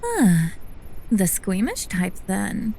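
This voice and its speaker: Woman acting a wry, mellow-voiced scientist narrator. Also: mid-range voice, takes it slowly, creaky, a little hiss or hum, exaggerated voice. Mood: wry, measured. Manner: wry, articulate, deadpan. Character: dry, clinically amused female senior scientist narrating her memories. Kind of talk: scripted first-person audio drama narration.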